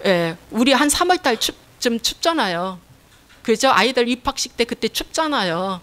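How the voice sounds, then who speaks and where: A woman's voice: fairly high pitch, expressive, moderate pace, fairly bright tone. A middle-aged woman pastor preaching a sermon, repeating key phrases and asking her congregation questions that she answers herself.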